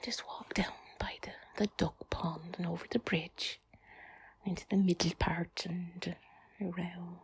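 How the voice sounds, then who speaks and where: An Irish woman whispers an intimate walking-tour role-play in a very breathy, husky voice. She rambles and chats as if to a companion at her side. The sound is close and dry, with a slightly low pitch. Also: flat delivery, measured pace, dry recording. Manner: rambling, chatty, addresses listener as companion. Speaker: tour guide narrator.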